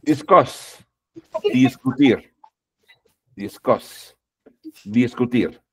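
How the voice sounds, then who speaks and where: A man teaching a class, repeating each word and its translation, calling out words loudly and then dropping his voice. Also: mid-range voice, extremely slow, slightly rough. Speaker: English teacher. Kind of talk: classroom lesson.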